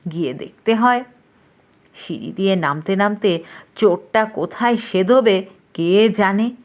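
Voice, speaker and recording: A woman narrating a short story aloud, lively, lifting her voice for the characters. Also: mid-range voice, a little slow. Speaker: story reader.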